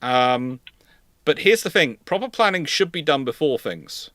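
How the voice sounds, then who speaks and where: This man, a consultant and host of a live naval history stream, explains his answers with hesitant repetition and emphatic restating. His fairly high voice is animated and fairly bright, at a measured pace, recorded cleanly in a studio without echo.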